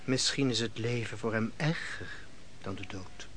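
An actor playing a guarded, dignified tribesman in a radio play, speaking in a measured, careful way. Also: on the low side, a bit bright, lightly acted. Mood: solemn, guarded. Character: guarded, dignified tribesman and husband, quietly defiant.

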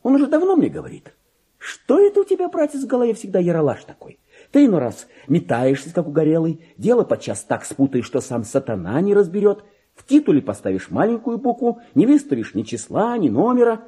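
A man's voice: sits high, wildly swooping pitch, a little fast, warm tone, breathy edge, full character voice. An actor voicing a petty, resentful, self-important male clerk in a radio play monologue, theatrical and grumbling, with mimicry of other people. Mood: mocking, scolding. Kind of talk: dramatic monologue in a Russian literary radio play.

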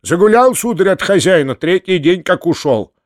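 A gaunt older workman who scolds in a stern, pedantic tone, loud and pitched well above the reader's usual voice, as a male audiobook reader plays him. The recording is dry and close. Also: expressive, normal speed, no room sound. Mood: scolding. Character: stern, tall, lean elderly male workman.

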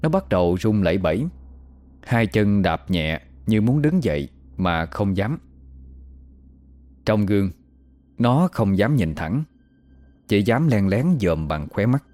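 A man telling a horror story in slow, even, suspenseful narration. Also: fairly low pitch, dry recording. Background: faint music.

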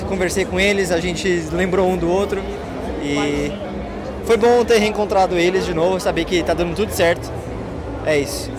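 A young Brazilian man hosting a gaming podcast, talking casually and with excitement, full of slang. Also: sits high. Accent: Brazilian Portuguese. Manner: excited, slangy, gushing about games. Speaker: podcast host. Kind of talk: casual gaming podcast talk with on-site recordings.

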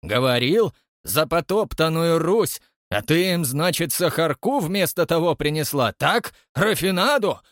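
A man voicing a boisterous, burly elderly man who roars his words loudly. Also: big pitch swings, a little slow, few pauses, no echo, studio quality. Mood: gruff. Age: older. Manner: booming, roaring.

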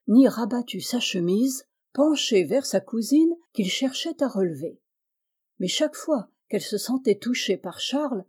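Mellow woman reading a storybook. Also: medium pitch. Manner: clear, measured storytelling. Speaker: audiobook reader. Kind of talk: scripted narration of a classic children's novel.

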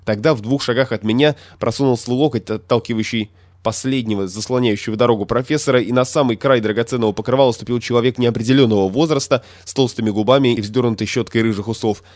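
A man narrating a classic novel as an audiobook reader, in an even, measured storytelling manner. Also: medium pitch, no echo.

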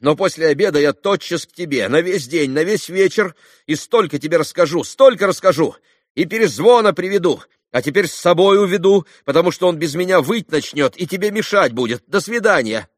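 Man doing a proud, excitable teenage schoolboy. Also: a little high, no echo, clean studio sound, voice pushed up. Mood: hurried. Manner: hurried, emotional outbursts.

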